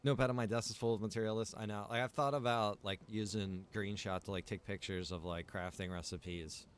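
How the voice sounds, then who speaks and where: A man with a fairly low voice talks casually as he streams a game. He rambles a little, thinking out loud as he goes. Faint background noise sits behind his voice. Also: fairly even intonation, fairly quick. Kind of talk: casual live gaming commentary.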